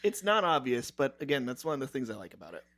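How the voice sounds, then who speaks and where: A man's voice: mid-range voice, very animated, fast talker, fairly bright tone. A man chatting casually as a podcast panelist, often restarting and repeating his words as he goes. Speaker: podcast panelist discussing a metal album. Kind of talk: casual chat.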